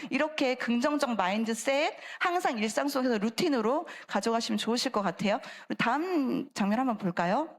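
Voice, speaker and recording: A middle-aged woman giving a seminar talk at a church, chatty and animated, acting out voices in her examples. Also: a little high, fairly quick, hardly any pauses. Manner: animated, acts out quoted voices, chatty asides. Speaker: church lecturer. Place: church sanctuary.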